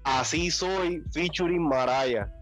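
A man's voice: on the high side, takes it slowly, fairly bright tone, no echo, faint music behind. A man co-hosting a casual chat, laid-back and answering with short reactions.

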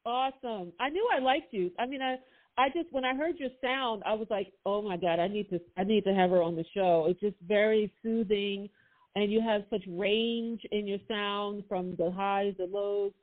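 A woman's voice: medium pitch, moderate pace. A woman hosting an interview, speaking in a chatty, enthusiastic way. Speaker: host. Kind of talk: casual interview chat. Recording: tinny phone line.

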